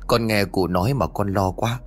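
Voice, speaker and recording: A man's voice: on the low side, moderate pace, natural voice. A man voicing a worried, deferential landowner's wife who asks for help. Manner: anxious and deferential.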